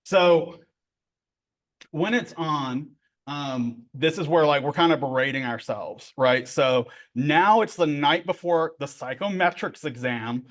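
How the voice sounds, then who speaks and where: A middle-aged man with a relaxed drawl leads a therapy training session. He talks in an easygoing, joking way, checking in with his listeners and filling pauses as he explains ideas. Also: fairly high pitch. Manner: conversational, joking, many fillers and tag questions. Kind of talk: casual workshop lecture.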